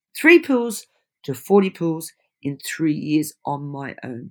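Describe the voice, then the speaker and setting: A woman with an Australian accent and very wide pitch swings, on a very clean recording with a silent background. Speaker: founder of a baby swimming school business. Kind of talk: interview.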